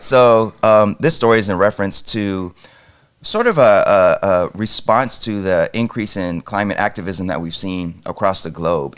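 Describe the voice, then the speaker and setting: Male co-host, lower register, upbeat segment lead-ins and news reads. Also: a bit bright. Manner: upbeat, steering the show's segments. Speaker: podcast co-host. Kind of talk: reading news headlines and casual chat.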